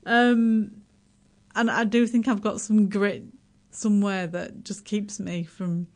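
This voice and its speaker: Guesting on a radio show, a middle-aged woman from Yorkshire talks in a Yorkshire accent with a medium-pitched, slightly mellow voice that barely shifts in pitch. The interview is casual; she's self-deprecating, laughs frequently, and her talk comes in halting, chatty restarts.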